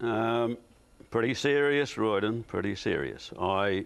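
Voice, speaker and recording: Ordinary pitch variation in a New Zealand accent. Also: man. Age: 60s. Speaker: heart patient, motel owner. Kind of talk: TV interview. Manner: enthusiastic, animated.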